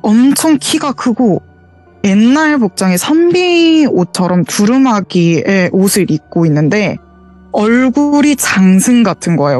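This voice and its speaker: A woman calls in to tell a ghost story, speaking in an earnest, detailed way. Her voice sits at a medium pitch and comes through a voice call, with soft music playing faintly behind her. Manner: earnest, detailed retelling with quoted dialogue. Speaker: caller sharing a true ghost story. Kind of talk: casual spoken storytelling.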